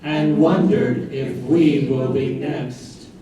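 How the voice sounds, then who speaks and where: A man's voice: medium pitch, fairly even intonation, slow pace, over a noisy crowd, close to an everyday voice. A man playing the solemn narrator in a staged reading of a play. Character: solemn male narrator of an Alzheimer's love story. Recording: very echoey room, distant mic, background noise.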